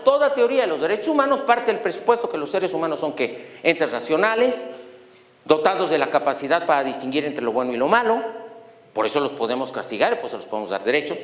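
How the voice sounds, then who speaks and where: A middle-aged man giving a lecture on law, animated and throwing rhetorical questions at his audience. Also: sits high. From Mexico. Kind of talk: university lecture on human rights. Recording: echoey hall with long reverb.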